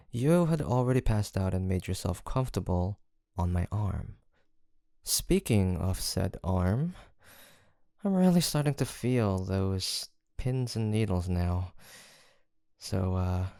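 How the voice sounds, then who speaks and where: A man acts out a college-aged best friend in an intimate audio roleplay. His low voice is mellow and gravelly at the edges, with a casual, teasing delivery that stays fond and playful. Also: expressive, unhurried, dry recording, clean studio sound, heavily acted. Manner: casual, playful, murmured hesitations and soft laughs.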